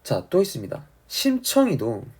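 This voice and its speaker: A man teaching an exam-prep class, his voice husky and a little worn by a sore throat. His pitch rises and falls in a lively way as he drives points home. He explains step by step like a schoolteacher, often checking that listeners are following. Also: moderate pace. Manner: didactic, emphatic, often checks understanding. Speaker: Korean language and literature teacher.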